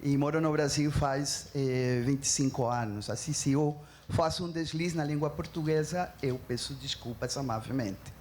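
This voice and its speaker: A woman's voice: a bass voice, moderate pace, few pauses, darkish tone, a little hiss or hum. A woman with a Mexican accent speaking as a panelist, earnest and emphatic, with frequent fillers and restarts. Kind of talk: panel talk.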